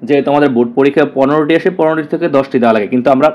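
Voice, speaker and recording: A man teaching an exam-prep lesson, repeating key words and often asking the students "clear?". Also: mid-range voice, racing, darkish tone. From Bangladesh.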